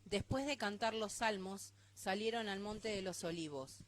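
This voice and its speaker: A woman reading a Bible passage aloud in a steady, measured way during a church service. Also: mid-range voice. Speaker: scripture reader.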